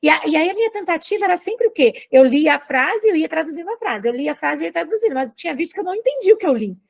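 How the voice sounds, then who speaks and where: A woman's voice: extremely high pitch, animated, racing, gravelly. A woman with a Brazilian Portuguese accent teaching an informal lecture, explaining with chatty examples and asides.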